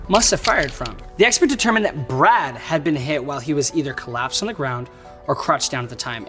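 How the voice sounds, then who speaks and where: A man hosting a true crime show, narrating casually with wry jokes and slang asides. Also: on the high side. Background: background music.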